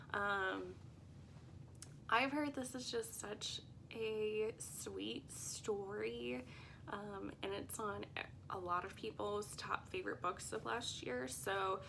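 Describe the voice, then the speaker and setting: Creaky-voiced woman chatting about books. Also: mid-range voice, fairly bright tone, a little hiss or hum. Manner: hesitant, rambling, often unsure. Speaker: book vlogger. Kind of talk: casual, chatty book list talk to viewers.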